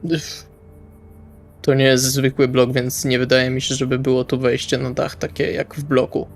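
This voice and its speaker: A man's voice: medium pitch, flat delivery, normal speed, faint music behind. A man playing a tabletop role-playing game, improvising dialogue and narrating his actions casually in colloquial speech. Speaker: tabletop RPG player.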